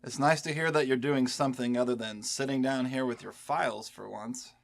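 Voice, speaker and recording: A performer playing a blunt, sceptical coworker in an audio drama, with a deadpan, sardonic manner. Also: mid-range voice, brisk, creaky, natural voice. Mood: casual, teasing. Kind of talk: audio drama acting, casual dialogue.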